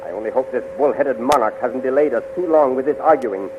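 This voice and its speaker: An actor playing a brisk, impatient prince and loyal ally, earnest and theatrical in 1930s radio serial style. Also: male voice, medium pitch, natural voice. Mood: brisk, anxious. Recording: muffled, noisy 1930s radio recording.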